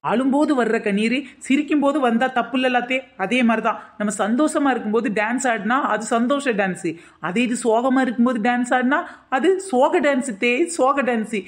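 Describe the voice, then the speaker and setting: A woman's voice: a little high, fairly quick, natural voice. A woman voicing a cheeky young daughter-in-law in a cartoon comedy, making innocent-sounding excuses.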